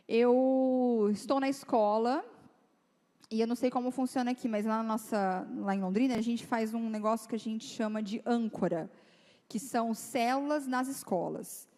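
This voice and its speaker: A young woman, a guest speaker giving a lively, chatty talk to teenagers in a church hall. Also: on the high side. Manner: lively, chatty, acts out dialogue in quoted voices. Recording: long reverb of a church hall.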